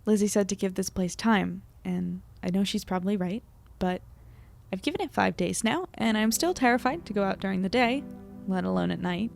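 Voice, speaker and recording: Woman acting as anxious twenties reporter gal, audio drama diary, dry and rambly, lots of vocal fry, music underneath. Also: medium pitch, brisk, natural voice. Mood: wry, uneasy. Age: 20s. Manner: wry, rambling, self-deprecating. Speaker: narrator and lead character. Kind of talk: audio drama diary monologue, casual and conversational.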